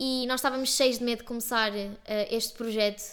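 Fairly high in pitch with fairly even intonation, a woman speaks in an unremarkable speaking voice. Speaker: podcast co-host. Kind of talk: casual chat.

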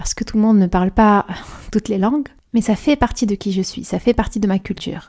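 A woman talks at a fairly quick pace with a fairly high pitch. Her tone is warm, dark and mellow, and the sound is dry and close with no echo. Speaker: podcast host and mindfulness coach. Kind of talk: solo monologue podcast. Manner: warm, conversational.

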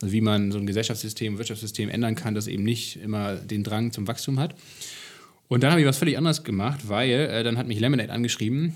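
With ordinary pitch variation, a man talks at a very fast speed. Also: medium pitch for a man. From northern Germany, Kiel. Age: young. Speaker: podcast co-host and entrepreneur. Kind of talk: casual interview chat.

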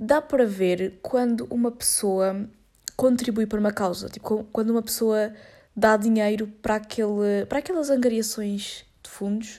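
This woman has a fairly high pitch and a dark, mellow tone, with ordinary pitch variation. She speaks at a moderate pace in a European Portuguese accent. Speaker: podcast host. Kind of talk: casual solo talk.

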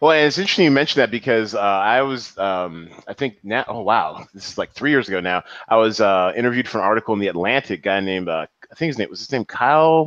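A man at a very fast pace, his pitch swinging very widely. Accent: American. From Seattle, US. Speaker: podcast host and founder. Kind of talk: casual interview chat.

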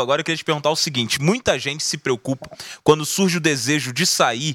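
A man talks in a fairly high pitch. His tone is bright and sharp. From Rio de Janeiro, Brazil. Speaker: pastor. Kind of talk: casual chat.

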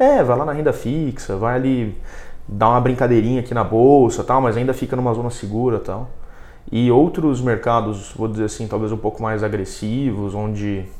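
Audible room echo surrounds a man with a medium pitch. He keeps a moderate pace and fairly even intonation. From interior of São Paulo state, Brazil (São José do Rio Preto). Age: 30s. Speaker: head of sales and startup investor. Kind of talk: podcast interview.

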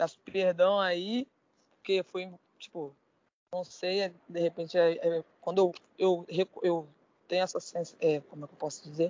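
Pausing long and often, a woman speaks at a fairly slow pace with a fairly low pitch and fairly even intonation. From Brazil, Rio de Janeiro (Santa Marta community). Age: 20s. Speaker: basketball player. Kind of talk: podcast interview. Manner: halting, with frequent repetitions.

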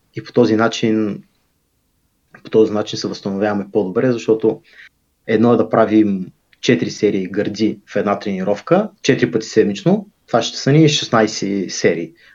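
A normal speaking voice at a fairly slow pace, with ordinary pitch variation and big swings in loudness. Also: man, fairly low pitch for a man. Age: 20s. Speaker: fitness coach. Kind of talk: casual chat.

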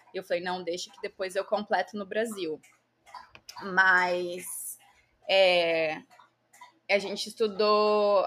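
This voice is a woman's. Her delivery is monotone and flat. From Brazil, interior of São Paulo state (São José do Rio Preto). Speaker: nurse. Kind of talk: casual interview.

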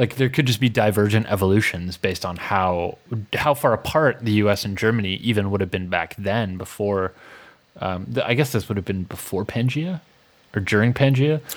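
A man with a Canadian accent speaks in an unremarkable speaking voice, fairly low in pitch with ordinary pitch variation, at a moderate pace. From Ontario, Canada. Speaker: podcast co-host and dungeon master.

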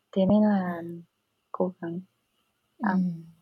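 A woman's voice comes through somewhat breathy. Her intonation stays fairly even. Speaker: author. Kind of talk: casual interview. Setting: long-distance call.

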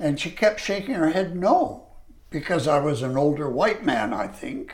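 A man's fairly high voice with vocal fry. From Canada. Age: 80s. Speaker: retired university lecturer. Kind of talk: life-story interview.

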